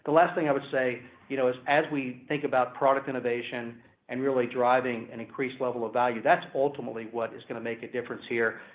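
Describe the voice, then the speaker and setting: A man speaking as a company executive, giving measured, hedging answers on an earnings call. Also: medium pitch, fairly even intonation. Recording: roomy, phone-like conference call line.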